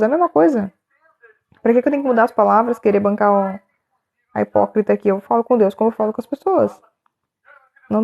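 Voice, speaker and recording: A woman's voice: fairly high pitch, gravelly, darkish tone. A woman chatting casually on a live stream, laughing often and reading viewers' names from the chat.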